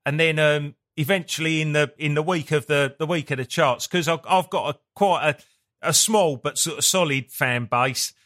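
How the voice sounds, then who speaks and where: Bright-voiced Essex man chatting. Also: a little high, moderate pace. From Essex, England. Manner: sweary, colloquial, rambling. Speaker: guest, punk band singer. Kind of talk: casual interview chat.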